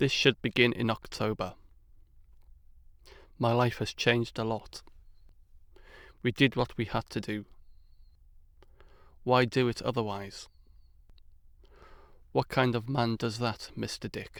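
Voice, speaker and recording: In a very clean recording with a silent background and a dry, close sound with no echo, a man with an English accent speaks at medium pitch and a fairly slow pace, his intonation monotone and flat, with long, frequent pauses. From Cumbria, England. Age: 30s. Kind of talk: read sentences for speech corpus. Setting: studio.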